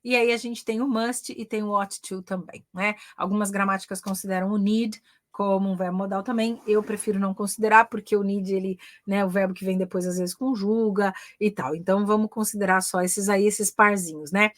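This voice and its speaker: A woman's voice: medium pitch, steady tone, a little fast. A woman with a Brazilian Portuguese accent giving a live online English grammar lesson, chatty, checking in with "ok?" and "né?" after almost every phrase. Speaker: English teacher and career mentor.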